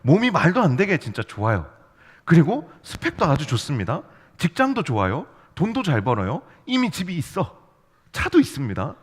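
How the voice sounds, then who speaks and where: A male youth pastor with a somewhat high, slightly rough voice preaches at normal speed, his pitch swinging enormously. He tells stories, keeps it playful, and fires rhetorical questions at the congregation. The sanctuary adds a long reverb.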